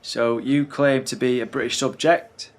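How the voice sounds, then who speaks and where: An actor playing a stern, coldly official British immigration officer of the 1920s in an audio drama. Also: male voice, medium pitch, steady tone, unhurried, close to an everyday voice.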